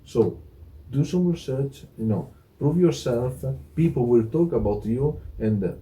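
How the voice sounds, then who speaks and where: A middle-aged Italian man with an Italian accent, a hotel director talking as an interview guest, halting with many fillers and restarts. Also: mid-range voice, expressive, warm tone, slight background noise, rough recording. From Italy. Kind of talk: casual interview chat.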